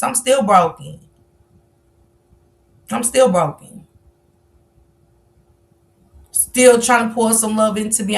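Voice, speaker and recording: A woman's voice: medium pitch, vocal fry. Candid woman in her forties, livestreaming. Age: 40s. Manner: candid, confessional, talks straight to viewers and calls them baby. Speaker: livestream host. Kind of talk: casual livestream chat reading viewer comments. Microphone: livestream mic.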